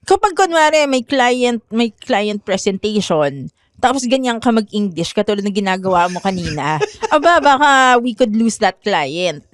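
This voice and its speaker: A woman's voice: mid-range voice, very animated, normal speed, dry recording, studio quality. A woman with a Filipino accent co-hosting a podcast in casual chat, laughing often and acting out quotes. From Philippines. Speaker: podcast co-host.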